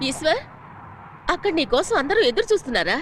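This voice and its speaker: Timid worried mom, middle-aged, quick and high, loud music under her. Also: big pitch swings, slight background noise. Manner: anxious, hushed, pleading. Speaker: mother. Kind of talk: dubbed film drama dialogue. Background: film score.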